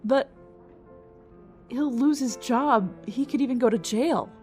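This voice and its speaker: A woman's voice: high-pitched, slow pace, a little mellow, soft background music. An actress playing a troubled, loyal woman in an audio drama, emotional and pleading. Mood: troubled, weary.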